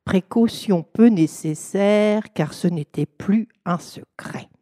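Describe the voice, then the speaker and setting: A woman reading a classic fable aloud in a measured, expressive storytelling manner. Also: medium pitch, no echo, studio quality. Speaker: reader.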